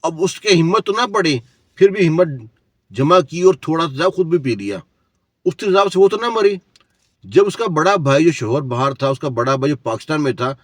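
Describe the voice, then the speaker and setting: A man's voice: on the high side, no echo, studio quality. Preachy man telling a moral tale. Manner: preachy, lecturing the listener with rhetorical questions. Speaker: storyteller. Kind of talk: moralizing storytelling.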